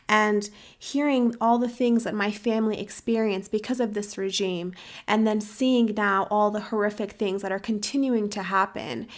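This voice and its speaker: A young woman hosting a podcast, talking in an earnest, measured and serious way. She grew up in the United States and her first language was Farsi. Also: mid-range voice. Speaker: podcast host. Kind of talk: earnest interview and commentary.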